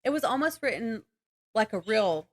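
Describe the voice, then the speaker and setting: A woman's voice: on the high side, sing-song, moderate pace. A woman podcast co-host chatting casually about books in a rambling, giggly way. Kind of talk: casual book chat.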